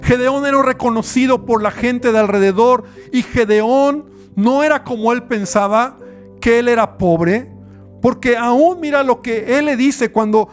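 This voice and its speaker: Mexican pastor guy preaching, really high voice, keeps asking the crowd "you know?", faint music under it. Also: a little slow. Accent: Mexican Spanish. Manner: preaching with rhetorical questions to the listener. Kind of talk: sermon.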